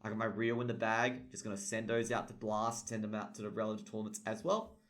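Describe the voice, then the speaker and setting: A young man with an Australian accent talks loosely about esports news and casting work. His voice sits a little low, and he rambles, piling up fillers like "basically" and "you know" while swearing freely. It sounds like an offhand stream chat. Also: fast. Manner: rambling, swears a lot, heavy filler words. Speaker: esports caster and streamer host.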